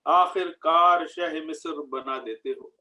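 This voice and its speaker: A high-pitched male voice recites verse at a literary gathering. He moves very slowly and with measure through each couplet, often saying a line twice. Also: bright, forceful tone. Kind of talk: slow Urdu ghazal recitation.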